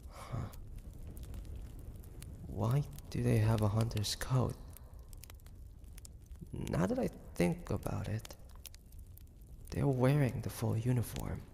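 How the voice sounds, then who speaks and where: A man playing a proud, wary, sardonic hunter from the 1850s in an intimate audio drama, halting and full of breathy sighs. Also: medium pitch, animated, warm tone, slight background noise, full character voice. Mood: grudging, puzzled. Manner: halting, breathy sighs, indignant then grudging.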